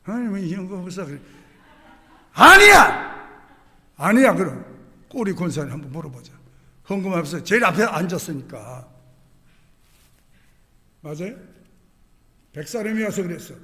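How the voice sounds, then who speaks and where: Male pastor, sermon. High, bright voice, reverberant hall. Swings from soft asides to shouted declarations, quizzes the congregation. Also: animated, normal speed, pauses often. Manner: asks the congregation rhetorical questions. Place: church sanctuary. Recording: echoey church hall.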